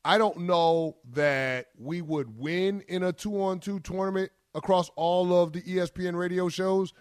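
A man in his thirties hosting sports talk radio with a slightly high, energetic voice. He is brash and playful, delivering trash talk with confidence. The sound is dry and close-miked. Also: unhurried, no room sound. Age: 30s. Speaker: radio sports show co-host.

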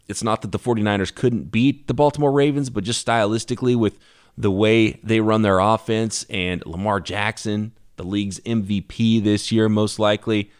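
A man hosting a solo sports podcast, talking through the game in an energetic, conversational way while his voice is worn from a cough. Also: on the low side, normal speed, smooth, no room sound, studio quality. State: losing his voice from a lingering cough. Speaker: podcast host.

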